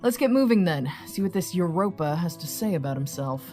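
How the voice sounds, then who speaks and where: An actress playing an impatient, no-nonsense female police commander in an audio drama, authoritative and brisk in manner. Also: lowish voice, lively intonation, darkish tone, soft background music, close to an everyday voice.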